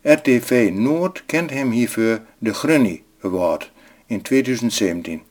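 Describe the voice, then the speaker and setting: A man's voice: mid-range voice, expressive, unhurried, darkish tone. A man presenting a radio segment, reading a scripted introduction in a plain way.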